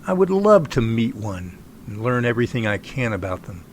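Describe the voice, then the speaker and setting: A man playing an eager, friendly researcher in an audio drama, with a creaky voice and a chatty, enthusiastic manner. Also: medium pitch, sing-song, moderate pace, slight background noise, natural voice. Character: eager, friendly Sasquatch researcher named Jerry. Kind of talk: amateur audio drama acting.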